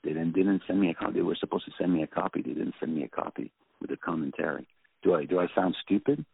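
A man with a French accent and an extremely low, gravelly voice tells stories in a halting, restarting way. His voice is husky and comes through a tinny, phone-like line. The sound is dry, with no room around it. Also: no room sound. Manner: halting, many restarts and fillers. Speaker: film director guest. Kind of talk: anecdotal interview chat.

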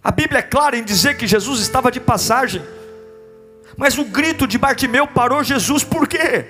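A Brazilian man preaching an impassioned sermon, building to near-shouting and falling back to hushed tones. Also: very high voice, expressive, moderate pace, faint music behind. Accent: Brazilian Portuguese.

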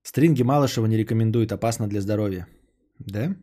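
A young man with a husky, mellow voice hosts a casual podcast stream. He reads donations and rambles sarcastically, trailing off into mutters. His tone stays dark and breathy. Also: on the low side, fairly quick. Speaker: podcast host reading donations.

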